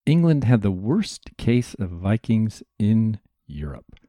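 A man's voice: on the low side, very animated, slow, dark tone, dry recording, studio quality. A man hosting a history podcast, narrating from a script in a chatty, digressive lecturing manner with asides to listeners.

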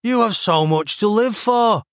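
A man's voice: sits high, expressive, measured pace, a bit bright, no room sound, studio quality, pitched above the performer's own voice. A man voicing a laid-back, sardonic bloke with a Mancunian accent, over-enunciated vowels and a blunt, half-hearted manner in an audiobook. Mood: half-hearted pleading.

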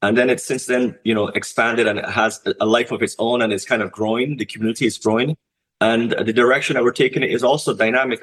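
Man, from Barbados, low voice, halting, podcast guest. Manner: measured, halting with many restarts and fillers. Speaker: conference co-founder. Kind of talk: podcast interview.

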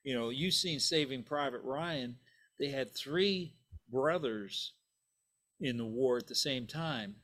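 A man's voice: mid-range voice, takes it slowly, a bit bright. An older man whose first language is Italian, telling stories in a casual interview and rambling with lots of "you know" and "right?". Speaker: bassist guest.

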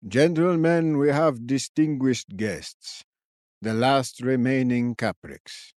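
A man voicing a cracked-voiced, eccentric old male sentry of the woods, croaking slowly. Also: mid-range voice, a little mellow, no room sound, studio quality, voice pushed up, natural voice. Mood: commanding. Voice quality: croaking, slow, theatrical.

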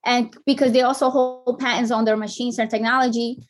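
A woman from Colombia with a Colombian accent, a business owner telling her story as a guest in a casual interview, animated and fond of "like". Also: a little high, a little fast. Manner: animated storyteller, acts out phone calls, frequent "like".

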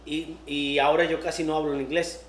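A woman's voice: low-pitched, level tone, a little fast. Woman host chatting in spanish, keeps repeating herself, laughs a lot, roomy echo. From United States. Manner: repeats words often, laughs easily. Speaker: podcast host. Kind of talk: casual interview. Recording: echoey room with faint noise.

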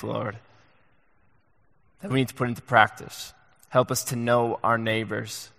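A young adult man preaching a sermon in a church, earnest and halting, with many fillers and restarts. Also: medium pitch, bright, forceful tone. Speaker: pastor. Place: church sanctuary. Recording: long hall reverb.

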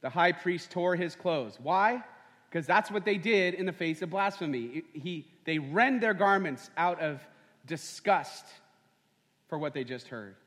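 A man's voice: a little high, animated, a little slow, fairly bright tone. A man preaching a sermon as pastor, conversational and full of rhetorical questions. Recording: long hall reverb.

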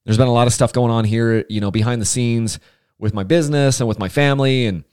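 A man's voice: medium pitch, fairly even intonation, fast talker, darkish tone, clear, resonant tone, no room sound, clean studio sound. A man hosting a casual solo podcast, chatty and enthusiastic, rambling with frequent restarts. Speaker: podcast host.

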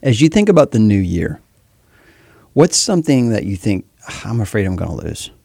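Dark-voiced man hosting, bassy and gravelly. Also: big pitch swings, moderate pace, no echo, studio quality. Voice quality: bass-heavy voice. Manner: self-deprecating, candid. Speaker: podcast host. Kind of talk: casual conversational hosting.

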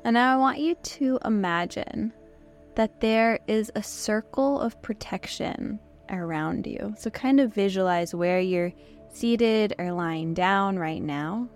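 A woman with a hoarse voice that is nearly gone leads a guided relaxation. She speaks softly and slowly and leaves long pauses between instructions. Faint music plays quietly behind her. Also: medium pitch. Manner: soft, slow, gentle instructions with pauses. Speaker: podcast host and meditation guide. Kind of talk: guided yoga nidra meditation.

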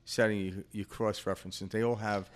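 A man's voice: fairly low pitch, flat delivery, a little fast. Rambling, reflective man in his fifties. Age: 50s. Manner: rambling, reflective, with frequent fillers and laughs. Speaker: podcast co-host. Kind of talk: casual spiritual chat.

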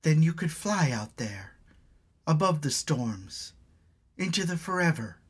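A man voicing a desperate, grieving young tribal woman who pleads and cries out in a high, strained voice. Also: big pitch swings, unhurried, slightly rough, heavily acted. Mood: hopeful. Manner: pleading, rising to shrill cries.

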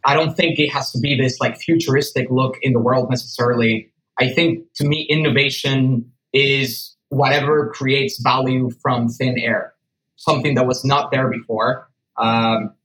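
A man's voice: mid-range voice, steady tone, normal speed, a bit bright, rough recording. A man in his thirties, from Venezuela, a startup founder answering podcast interview questions in an earnest, conversational way with fillers and restarts.

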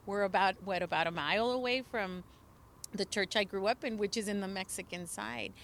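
A woman's voice: medium pitch, brisk, a bit bright, a little hiss or hum. A middle-aged woman from a border city, a native Spanish speaker, speaking earnestly and emphatically as an interview guest outdoors. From El Paso, Texas border region. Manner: earnest, emphatic, some restarts. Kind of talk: impassioned political testimony.

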